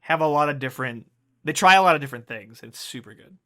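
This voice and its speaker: Young male tenor, a bit high-pitched, excitable podcast co-host who swears freely. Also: quick pace. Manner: excitable, swears a lot, many fillers. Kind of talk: casual chat.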